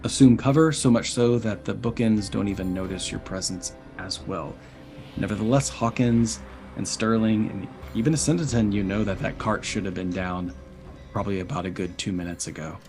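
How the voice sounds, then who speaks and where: A man's voice: fairly low pitch, fairly even intonation, moderate pace, darkish tone, faint music behind. A man narrating and calling for dice checks as game master of a tabletop game. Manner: descriptive, calls for dice checks.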